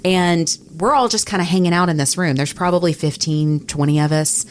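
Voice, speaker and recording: A woman's voice: fairly low pitch, brisk, slight background noise. An American woman telling stories casually as a podcast co-host. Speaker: podcast co-host and radio personality. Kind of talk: casual chat, anecdotal storytelling.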